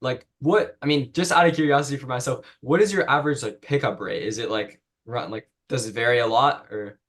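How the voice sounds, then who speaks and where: A man's voice: medium pitch, a little fast, a bit bright. A man from Spain with a Spanish accent hosts a podcast over a video call. He is easygoing, with plenty of fillers and laughs. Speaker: podcast host. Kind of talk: casual podcast interview.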